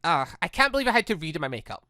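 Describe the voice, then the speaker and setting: Proud teenage heiress for a visual novel game, read by a let's player: high-strung, formal, insistent, dry sound. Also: sing-song, very fast, sharp tone, no room sound.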